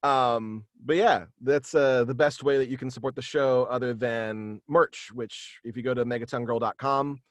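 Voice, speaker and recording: Young guy on a video call, rambly and kinda halting, casual chat, no room echo. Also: medium pitch, steady tone. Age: young adult. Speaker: guest, voice actor and podcast creator.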